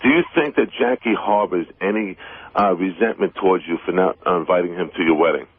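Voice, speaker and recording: A man's voice: deep voice, fairly quick, breathy edge, no room sound. A man calling in to a radio show for a casual chat over the telephone. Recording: thin, dry telephone line.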